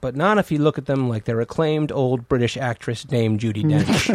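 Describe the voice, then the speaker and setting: A man's voice: mid-range voice, moderate pace, darkish tone, a little hiss or hum. A man bantering casually as an interviewer and reading aloud for comedy.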